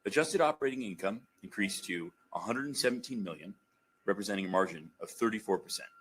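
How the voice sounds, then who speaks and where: Lowish-voiced male finance executive, noisy line. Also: lively intonation, quick pace, a bit bright. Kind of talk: scripted financial report.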